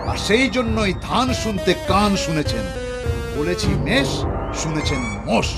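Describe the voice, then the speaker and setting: Loud music sits behind a bossy cartoon messenger of the gods. His voice is fairly high for a man, commanding and declamatory. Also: very animated, measured pace, heavily acted. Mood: reporting. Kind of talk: animated comedy voice acting.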